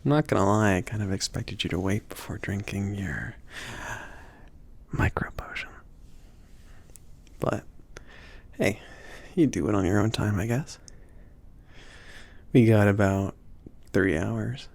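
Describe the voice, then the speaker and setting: A man playing a laid-back, gently teasing mage who runs a potion shop, speaking softly and hesitantly in an intimate ASMR roleplay, with a creaky, sometimes breathy voice. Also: lowish voice, a little slow, pauses often. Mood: reassuring, amused. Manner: hesitant, murmured, reassuring, chuckling. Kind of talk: ASMR roleplay, intimate one-sided conversation.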